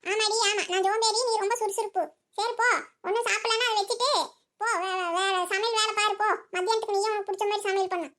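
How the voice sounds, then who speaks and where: A bossy old village mother-in-law in a cartoon, as a woman voices her, who fires off teasing scolds at a breakneck clip. Her voice sits very high and thin, and she barely pauses between jabs. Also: steady tone, fairly bright tone. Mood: scolding. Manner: teasing and scolding, quick retorts. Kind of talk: cartoon voice acting.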